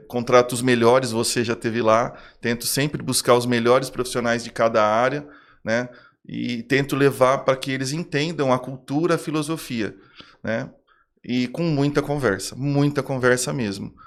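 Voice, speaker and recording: A middle-aged man, a swimming school manager, telling a heartfelt story in a casual interview and repeating phrases for emphasis. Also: mid-range voice.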